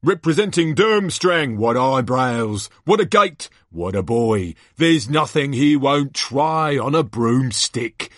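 A man voicing a bombastic sports announcer from a storybook, a booming showman with drawn-out theatrical calls. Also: animated, dry recording, studio quality. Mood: showy, excited. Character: bombastic male sports announcer hyping a tournament.

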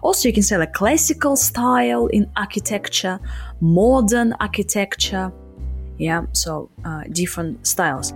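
A woman's voice: mid-range voice, animated, a little slow, creaky, breathy edge. Female podcast teacher, Russian accent, emphatic and playful explainer in short phrases, light guitar backing. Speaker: English teacher and podcast host. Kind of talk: conversational language lesson.

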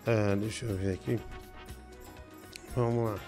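A man's voice: on the low side, steady tone, measured pace, warm tone, faint music behind. A man hosting a live stream in casual chat, rambling and tagging his talk with "né?" while he shows things to the camera. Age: adult with a daughter. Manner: rambling, full of "né?" and "ó" tags.

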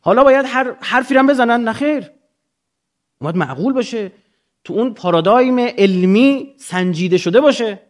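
A man's voice: very high voice, lively intonation. A man with an Iranian Persian accent lecturing informally and emphatically, explaining through examples and rhetorical questions.

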